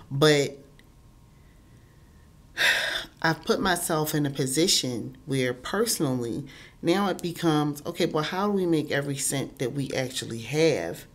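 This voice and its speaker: Congested and stuffy-nosed, a woman vlogger speaks earnestly to her phone camera in a low, expressive voice at a slightly slow pace. It's casual motivational talk, peppered with ums and repeated words.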